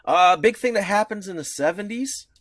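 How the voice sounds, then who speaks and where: A man's voice: high voice, animated, moderate pace, a bit bright, no echo. A man co-hosting a podcast, explaining comics history in a rambling, enthusiastic way with many restarts. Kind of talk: casual podcast chat.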